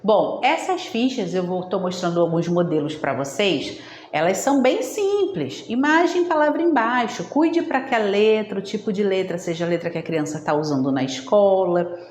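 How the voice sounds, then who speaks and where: A woman's voice: mid-range voice, expressive, moderate pace, darkish tone. A woman giving a didactic lesson on early reading, talking straight to viewers and checking in often. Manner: didactic, addresses viewers directly, frequent "tá?" check-ins. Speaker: literacy educator. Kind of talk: instructional video talk. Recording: echoey room, faint background noise.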